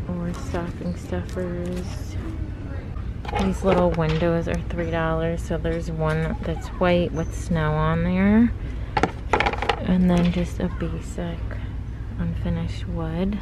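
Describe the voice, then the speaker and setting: A woman vlogger narrating a shop-with-me video in a store, calmly listing items and their prices. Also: lowish voice. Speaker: lifestyle vlogger. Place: large retail store, indoors. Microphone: handheld phone camera. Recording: noisy store ambience. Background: store ambience.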